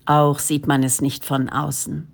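Solemn preaching prophet man, read by a woman, slow and a bit low. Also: level tone, creaky, exaggerated voice. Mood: warning. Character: earnest male prophet, calm and admonishing.

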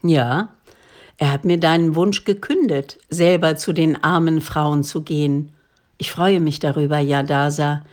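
Woman reading as a calm spiritual leader. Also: low-pitched, measured pace. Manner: calm, gentle. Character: calm, kind spiritual leader, grown man.

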